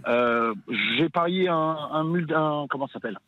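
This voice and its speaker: Muffled remote line, man, fairly high voice, casual supporter chat, searching for words. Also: normal speed. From northern France. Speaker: football supporter calling into a radio show. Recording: dull, band-limited remote line.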